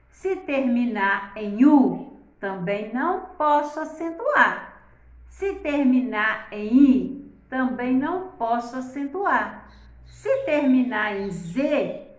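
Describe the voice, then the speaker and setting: A woman teacher giving a grammar lesson, reading words slowly and stretching their stressed syllables, often asking "né?". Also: sits high, echoey room. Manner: uses the diminutive "palavrinha" and "né?". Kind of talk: slow, careful grammar lesson.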